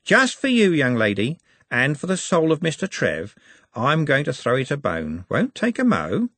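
A man plays a roguish, cocky conjurer from a storybook. The voice is pushed high and swoops about theatrically, with a husky edge and a teasing manner. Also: huge pitch swings, normal speed, fairly bright tone, no echo, heavily acted. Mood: grandiose, roguish. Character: sly, cocky, slender male street conjurer.

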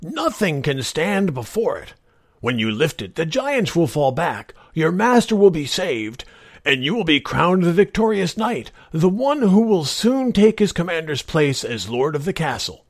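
A man's voice: fairly high pitch, sing-song, a little slow, no room sound, studio quality, voice pushed up, exaggerated voice. A man voicing a little old man, really a giant in disguise, who coaxes a knight with grand promises. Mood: coaxing.

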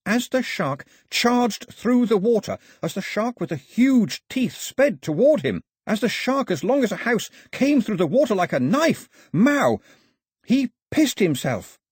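An excitable, nervous young boy, as a man puts him on, pushed far up in pitch and a little loud. He spins his tale breathlessly, with his voice leaping up and down. The voice itself is husky and recorded dry. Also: fairly quick, few pauses, dry recording, heavily acted. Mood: dramatic. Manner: breathless, dramatic, high-pitched.

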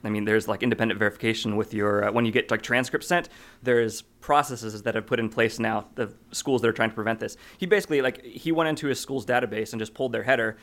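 A man co-hosting a casual podcast, speaking in a relaxed, hesitant way with many restarts. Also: on the low side, quick pace. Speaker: podcast co-host.

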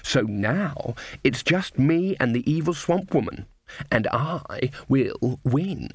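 A man's voice: mid-range voice, animated, slow, breathy edge, dry recording, full character voice. A man voicing a cold, commanding woman in a mirror who gloats imperiously.

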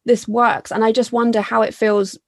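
Earnest young woman with gravelly fry. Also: fairly high pitch, level tone, normal speed, no room sound, studio quality. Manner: earnest, emotional, rambling questions. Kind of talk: casual podcast interview.

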